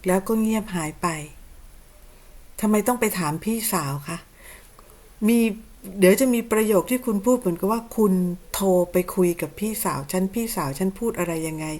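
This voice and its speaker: A woman's voice: mid-range voice, normal speed, a little mellow. A woman in her fifties from Thailand, hosting her channel with sarcastic, indignant rebuttals. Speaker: channel host. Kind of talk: combative commentary on clips.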